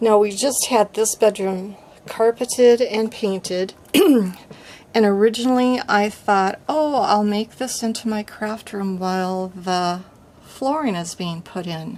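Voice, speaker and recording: This is a woman with a normal speaking voice at medium pitch. She goes at a fairly slow pace with ordinary pitch variation. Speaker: craft video maker. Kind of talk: casual room tour. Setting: home craft room, handheld camera.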